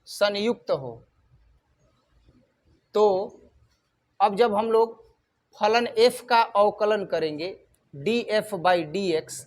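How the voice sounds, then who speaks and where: A male maths teacher at a whiteboard, asking his students questions and then answering them himself, going over key terms more than once. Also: sits high. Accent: Hindi-speaking north Indian. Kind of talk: whiteboard lecture.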